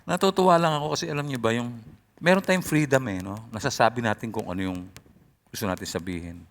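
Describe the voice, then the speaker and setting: A male pastor preaching a sermon in an animated way, his voice often rising loud. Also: mid-range voice, fast talker.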